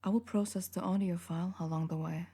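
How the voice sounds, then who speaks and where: A woman with a very deep voice giving a calm, partly whispered audio tutorial into a condenser mic in a home studio. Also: fast talker, slightly rough. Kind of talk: calm instructional voice-over. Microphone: large-diaphragm condenser studio mic.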